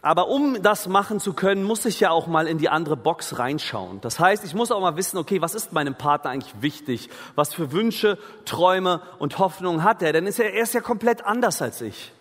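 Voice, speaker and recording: A man's voice: high voice, lively intonation, fairly quick, hardly any pauses, big-room sound. A man preaching a sermon in an earnest, conversational way, asking the listeners questions. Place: free church hall.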